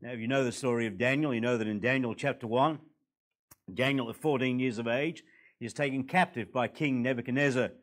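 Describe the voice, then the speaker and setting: An older man in his sixties with an Australian accent, a guest preacher at a church pulpit, a little hoarse from a recent cold, building to forceful, emphatic preaching. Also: medium pitch. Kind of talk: sermon. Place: church hall, indoors. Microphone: pulpit microphones.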